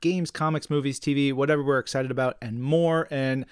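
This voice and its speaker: A man co-hosting a podcast in casual chat, self-deprecating and quick to laugh. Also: medium pitch, fairly even intonation, smooth, dry recording, studio quality. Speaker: podcast co-host.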